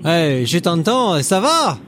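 A man's voice: a little high, big pitch swings, takes it slowly, a bit bright, slight background noise. A man hosting a cycling podcast, chatting casually and hesitating often with fillers. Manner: friendly, many hesitations and fillers. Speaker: podcast host.

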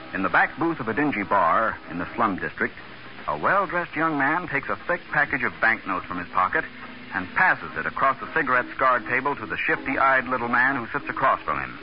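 High, dramatic 1940s radio announcer man. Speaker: announcer and narrator. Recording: dull 1940s radio recording.

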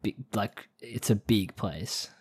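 A woman's voice: very deep voice, slow pace, a little mellow, breathy edge. A woman chatting casually as a podcast co-host. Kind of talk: casual chat.

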